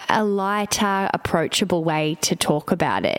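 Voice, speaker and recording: The delivery is fairly slow and shows ordinary pitch variation. It is a plain, everyday voice. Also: woman. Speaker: podcast host. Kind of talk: casual interview chat.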